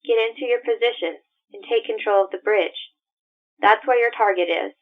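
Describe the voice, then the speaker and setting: Comms operator, played by a woman: brisk, medium pitch, thin radio-filtered sound. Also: phone-quality sound. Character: brisk female mission control operator. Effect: radio communicator filter. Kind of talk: amateur audio drama acting.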